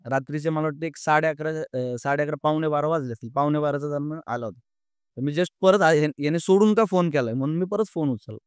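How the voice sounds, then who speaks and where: A man's voice: on the high side, clean tone, no room sound, studio quality. Earnest young man. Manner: earnest, halting, many fillers and restarts. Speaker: podcast guest. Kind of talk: emotional storytelling in an interview.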